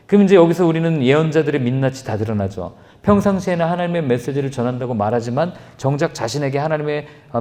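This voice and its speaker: A man, a pastor giving an animated Bible lecture, acting out quoted lines in changing voices. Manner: lively, acts out quoted lines with shifting pitch. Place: church.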